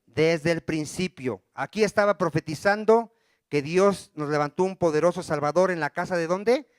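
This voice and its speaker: A male pastor with a high voice preaches a sermon, recorded dry and close. He reads scripture aloud, breaks off mid-verse and keeps firing questions at the congregation so they fill in the words. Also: clean tone, no echo. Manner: quizzes the congregation with rapid questions.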